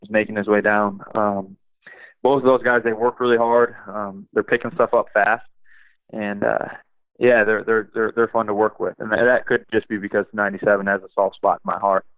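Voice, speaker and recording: Young wrestling coach on a podcast call, low flat voice, rambly with lots of ums, tinny phone sound. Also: male voice, normal speed, dry recording. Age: young adult. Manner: relaxed, rambling, many fillers and restarts. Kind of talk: podcast interview.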